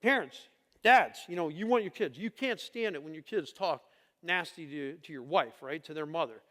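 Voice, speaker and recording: High-voiced pastor preaching in a reverberant church. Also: male voice, animated, normal speed, bright, forceful tone. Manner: emphatic, asks the congregation rhetorical questions. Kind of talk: conversational sermon. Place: church sanctuary. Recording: long reverb of a church hall.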